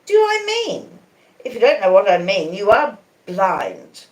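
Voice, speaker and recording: A woman's voice: medium pitch, huge pitch swings, a little slow. A woman with an Australian accent reading the part of a cold, proud, careless young society lady in a curt, imperious manner. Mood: cool warning. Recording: roomy, echoing conservatory sound.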